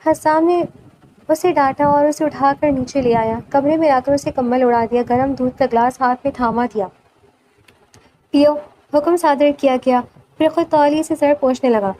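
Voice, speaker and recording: A woman narrating a romantic audiobook novel in a dramatic, expressive reading. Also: high voice, slight background noise, rough recording.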